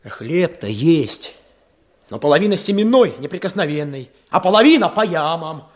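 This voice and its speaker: A man's voice: a little high, lively intonation, moderate pace, natural voice. An actor playing an earnest village chairman who firmly coaxes and persuades peasants at a meeting in a radio play. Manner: persuasive, coaxing, firm. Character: earnest village chairman Kuzma, rural Soviet leader.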